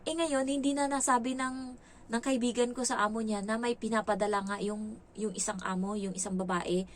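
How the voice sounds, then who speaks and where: A woman's voice: medium pitch, slight background noise. A woman who works as a domestic helper, telling a story in a casual, gossipy way with frequent exclamations.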